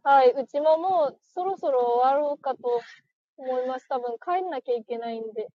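A woman's voice: high voice, moderate pace, no room sound, highs cut off. A woman hosting a casual live stream, chatting, laughing and reading listener comments aloud as she thanks each viewer. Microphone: phone.

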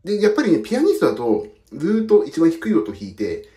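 With a voice on the high side, this man talks quickly and warmly, his pitch swinging hugely. He's a pianist and audio podcaster having a rambling, casual chat about his work from a foot bath, adding self-mocking asides, in a bathroom full of echo.

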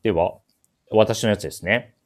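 Very low-pitched man, polite radio chat. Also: moderate pace. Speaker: host of a menswear shop radio show. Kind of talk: casual radio-style talk introducing clothes.

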